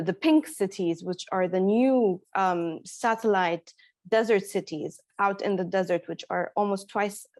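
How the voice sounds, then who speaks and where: A woman from Egypt gives an academic conference presentation in a mid-range, darkish voice, recorded dry. She speaks hesitantly, with many fillers and restarts.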